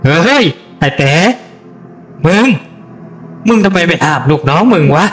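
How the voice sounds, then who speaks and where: A man's voice: fairly high pitch, expressive, measured pace, fairly bright tone, faint music behind. A man voicing a vengeful, ruthless male gang boss who snarls coarse threats. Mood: menacing.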